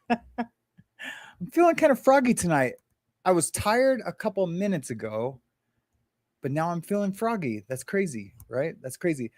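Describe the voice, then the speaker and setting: A man's voice: high-pitched, big pitch swings, a little slow, pauses often, a little mellow, dry recording. Laid-back rambling man with dry sound. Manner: rambling, laughs often, many fillers and restarts. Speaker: livestream co-host. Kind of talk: casual live chat.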